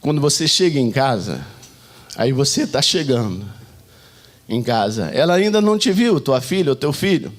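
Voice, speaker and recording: A Brazilian man preaching a Sunday sermon, telling stories and acting out shouts and prayers as he goes. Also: mid-range voice, moderate pace. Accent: Brazilian Portuguese. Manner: animated storytelling, acting out shouts and quoted prayers. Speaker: pastor.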